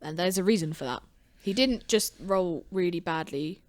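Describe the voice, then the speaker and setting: Playful British woman, low voice. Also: animated. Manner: playful, teasing, quick banter. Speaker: podcast co-host. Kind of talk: casual chat recapping a tabletop game.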